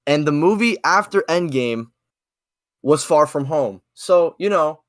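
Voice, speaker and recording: A man's voice: a little high, animated, unhurried, dry recording, clean studio sound. A man co-hosting a casual fan podcast, slangy and emphatic, repeating words for stress. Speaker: podcast co-host.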